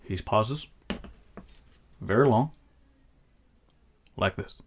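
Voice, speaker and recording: A man's voice: on the low side, very slow, slight background noise. A young man hosting a podcast, chatting casually and joking with his sister as they swap impressions. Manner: joking, playful, lively delivery. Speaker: podcast host.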